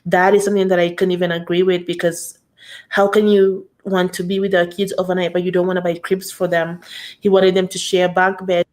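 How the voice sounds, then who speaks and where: A mother in a played clip explaining her custody situation to the camera in a steady, explanatory way. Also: lowish voice, fairly quick. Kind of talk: personal account told to camera.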